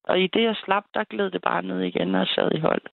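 Gravelly-voiced woman caller on the phone. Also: medium pitch, dry recording. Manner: lively, chatty, laughs between sentences. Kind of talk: casual phone-in storytelling. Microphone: telephone. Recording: tinny phone line.

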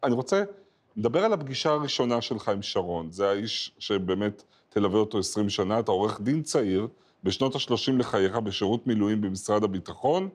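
A man's voice: fairly low pitch, expressive, darkish tone. A man hosting an interview, laying out the background before he asks his question. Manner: lays out background before asking. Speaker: interviewer, host.

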